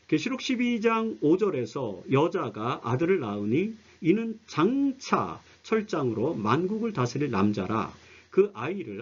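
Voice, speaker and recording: A man gives an explanatory Bible lesson in a fairly high voice that rises and falls widely. He stresses key phrases like a teacher and lets sentence endings drop away. The recording is a little dull. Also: husky. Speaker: Bible study commentary presenter. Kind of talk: explanatory religious lecture with scripture readings.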